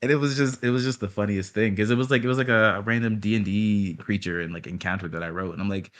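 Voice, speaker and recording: Casting: man, late twenties, low voice, animated and self-mocking podcast guest. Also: fast. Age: 20s. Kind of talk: casual podcast chat.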